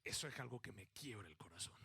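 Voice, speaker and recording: A middle-aged man from Mexico with a Mexican accent, preaching a sermon with animated storytelling that swings from acted-out shouts to hushed emphasis. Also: lowish voice, fast, vocal fry, slightly rough. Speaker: pastor.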